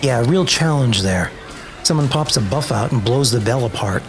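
A man playing a sardonic, grudge-bearing wasteland survivor in a dark-humor audio drama, dry, wry and guarded. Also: medium pitch, expressive, normal speed, close to an everyday voice. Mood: wry, observant. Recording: music under the voice.

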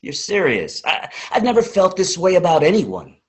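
A wry, teasing forty-year-old charmer. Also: male voice, high voice, huge pitch swings, moderate pace. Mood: earnest. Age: 40s. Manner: wry, teasing, lightly joking. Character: charming playful 40-year-old man, hotel owner. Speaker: interviewee.

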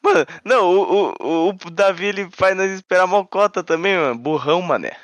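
A man's voice: sits high, brisk, dry recording. Slangy man, dry and close. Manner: joking, slangy. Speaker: co-host reading questions. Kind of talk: casual group chat.

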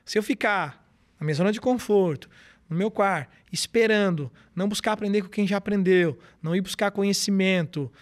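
A man with a high voice talks quickly and earnestly as a podcast guest. He explains his points step by step, in the way of a motivational speaker. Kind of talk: podcast interview, casual conversation.

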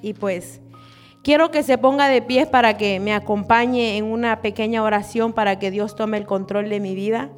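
A woman's voice: medium pitch, fairly even intonation, normal speed, faint music behind. A woman in her twenties from Honduras, giving an earnest, slightly nervous sermon and prayer in a church. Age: 20s. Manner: earnest, a little nervous, frequent "¿verdad?". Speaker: church speaker.

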